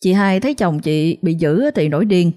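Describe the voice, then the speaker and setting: A woman narrating a dramatic family story in a steady, scripted storytelling style. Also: on the low side, moderate pace, slight background noise. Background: soft background music.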